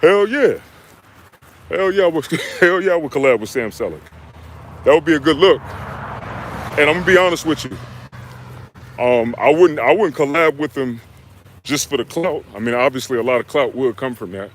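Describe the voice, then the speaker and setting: A young man from the United States, a fitness coach answering viewers' questions on a live stream in a relaxed, slangy way. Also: on the high side, normal speed, pauses often, slight background noise. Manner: laid-back, slangy, talks straight to viewers with "y'all" and "man". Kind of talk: live stream Q&A, reading chat comments.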